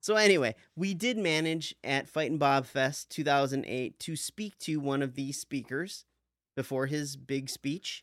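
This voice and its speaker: A man with an American accent speaks at a fairly slow pace in a fairly high voice, with ordinary pitch variation: a plain, everyday voice. The recording is very clean and dry, close and echo-free, over a silent background. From Minnesota. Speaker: podcast co-host. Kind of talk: casual chat.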